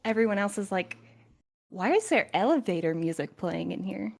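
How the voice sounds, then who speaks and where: A woman's voice: mid-range voice, expressive, moderate pace, creaky, darkish tone. A woman in a podcast cast, chatting casually and playfully with the others. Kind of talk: casual panel chat.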